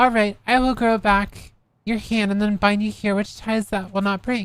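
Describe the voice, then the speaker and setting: In a put-on character voice, a woman with a medium pitch speaks at a moderate pace on a very clean recording with a silent background. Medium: virtual streamer.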